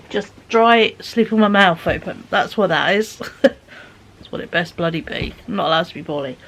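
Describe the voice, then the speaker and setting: A woman with a lowish, animated voice vlogs from home at a normal speed, holding her phone at arm's length. She rambles in a chatty way, fills gaps with fillers, and sometimes lowers to a whisper, all while sounding tired.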